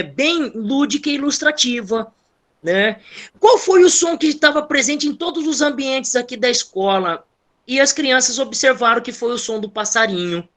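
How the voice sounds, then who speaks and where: A man's voice: extremely high pitch, bright, forceful tone. A male school music teacher sharing a classroom experience with other teachers, with many fillers and restarts.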